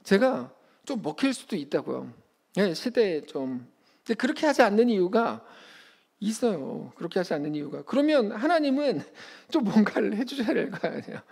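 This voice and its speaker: A male pastor in his thirties delivers a conversational sermon, with a fairly high voice that swings widely in pitch. His voice has a gravelly edge, and he acts out the lines he quotes. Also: normal speed. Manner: animated, conversational preaching with acted-out quotes.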